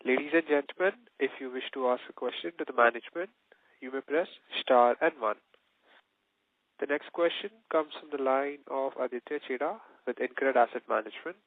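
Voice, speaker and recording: A man's voice: medium pitch, moderate pace, no room sound. A man making formal, scripted announcements as the operator of a conference call. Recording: narrow, dry phone line.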